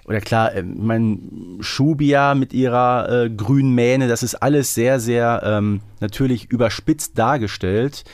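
A man's voice: mid-range voice, measured pace, hardly any pauses, dry recording, clean studio sound. A man co-hosting a casual podcast, often tacking questioning tags onto his remarks. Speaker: podcast co-host.

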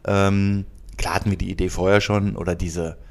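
A man's voice: deep voice, little pitch movement, moderate pace, vocal fry, darkish tone. A man in his late thirties from Berlin, co-hosting a casual podcast, joking and hesitating with many fillers and restarts. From Berlin, Germany. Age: 30s. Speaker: podcast co-host. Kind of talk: casual chat.

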